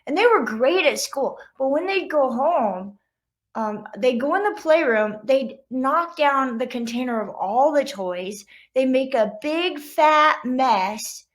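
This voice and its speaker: A middle-aged woman with a high, bright voice talks informally, like an author introducing her own book to young listeners. Her delivery is casual and chatty, in the style of a storybook read-aloud. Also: expressive, a little slow.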